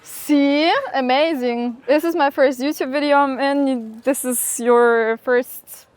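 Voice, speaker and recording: A young woman chatting casually outdoors at a market, giving relaxed, brief replies. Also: high-pitched, slow, no room sound. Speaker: travel companion. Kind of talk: casual chat while walking.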